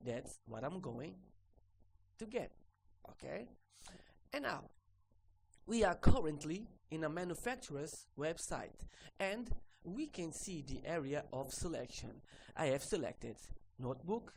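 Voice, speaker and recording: With a Portuguese accent, a man talks at a fairly slow pace with long, frequent pauses, a fairly high pitch and very wide pitch swings. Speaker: online course instructor. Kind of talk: tutorial. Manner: halting non-native English with frequent okay.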